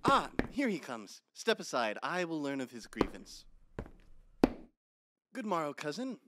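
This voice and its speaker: Man playing an earnest teenage stage actor, high voice, very animated pitch, comedic audio drama. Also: measured pace, very noisy. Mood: earnest, reciting. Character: earnest high school boy playing Benvolio in a stage play.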